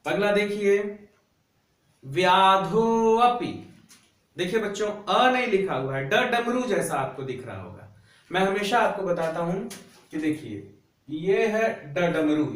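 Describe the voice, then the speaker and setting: A man teaching a class, patiently explaining grammar at a board and drawing out syllables so students can copy them. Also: high-pitched. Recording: roomy echo, voice a bit far from the mic.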